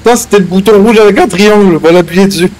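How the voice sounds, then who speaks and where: A man's voice: high-pitched, quick pace, darkish tone, rough recording. A man chatting casually while playing an online roleplay game, slangy and joking. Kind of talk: casual gaming banter.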